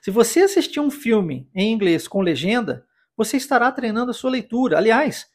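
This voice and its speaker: A man's voice: very high-pitched, sing-song, normal speed. A man from Brazil teaching English on a podcast, explaining patiently and encouraging the listener, often checking in with short tag questions. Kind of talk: podcast lesson addressing listener.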